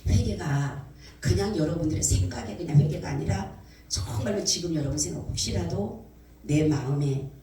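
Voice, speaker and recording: Female pastor giving a testimony sermon, slightly low voice, heard from afar in a reverberant church. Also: normal speed, slight background noise. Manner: animated storytelling, acting out quoted voices. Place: church sanctuary. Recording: echoey church hall mic from a distance.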